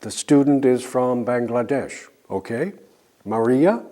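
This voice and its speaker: A man teaching an English lesson, drilling example sentences slowly and clearly with pauses for learners to answer. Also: medium pitch, warm tone. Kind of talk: slow scripted language lesson.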